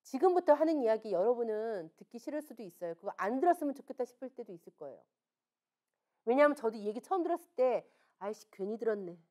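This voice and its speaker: A woman's voice: fairly high pitch, very animated, fast talker, a little mellow. A woman speaking at a seminar, telling stories frankly and asking the audience rhetorical questions with emphasis. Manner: frank, conversational storytelling. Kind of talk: seminar lecture.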